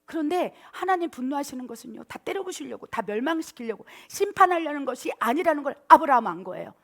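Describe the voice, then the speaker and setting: A middle-aged woman pastor preaching a sermon at a church service, animated and acting out prayers in coaxing, whiny voices. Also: sits high, quick pace. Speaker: pastor and missionary.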